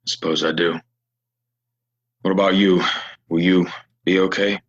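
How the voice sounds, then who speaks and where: Man playing a deep, slow, husky Western drifter. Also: little pitch movement, muffled recording. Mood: hesitant, weary. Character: reserved, weary Western drifter, earnest and honorable. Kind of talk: Western audio play acting.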